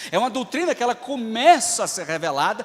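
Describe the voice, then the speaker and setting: A man talks at a fairly quick pace with an extremely high pitch. Noticeable background noise runs under his voice. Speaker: preacher. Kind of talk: sermon. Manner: fast.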